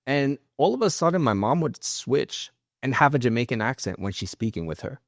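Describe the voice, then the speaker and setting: A man talking informally on a podcast panel, halting now and then as he gathers his thoughts. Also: medium pitch, big pitch swings, no echo, studio quality. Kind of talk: casual panel discussion with personal anecdotes.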